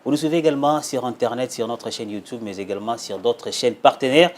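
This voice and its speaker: A man's voice: medium pitch, fairly quick. A man hosting a television magazine interview, giving emphatic, flowery introductions and asking questions. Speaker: talk show host.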